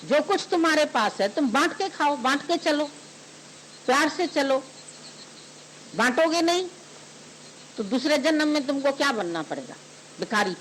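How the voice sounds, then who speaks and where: High-voiced man preaching a homely sermon. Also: animated, normal speed, pauses often, fairly bright tone, a little hiss or hum, low-quality recording. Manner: homely, chiding, full of rhetorical questions. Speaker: spiritual teacher. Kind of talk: devotional sermon with storytelling.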